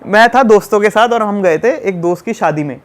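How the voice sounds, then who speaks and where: High-voiced young man telling a story. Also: brisk. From Delhi, India. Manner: animated storyteller, acts out shouting scenes. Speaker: travel YouTuber guest. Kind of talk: casual podcast storytelling.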